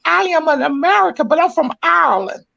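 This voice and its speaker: A woman's voice: very high-pitched, animated, a little fast, gravelly, pushed and bright. A woman speaking on a podcast panel in a fervent, preaching manner, emphatic and at times close to tears. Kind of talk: impassioned panel discussion. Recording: dull dry lo-fi audio.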